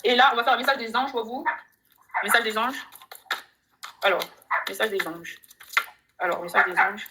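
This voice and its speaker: Chatty woman doing a live tarot reading at home, quick and bright, upbeat. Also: fairly high pitch, a little hiss or hum. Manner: chatty, talks straight to viewers, upbeat. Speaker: tarot reader on a live stream.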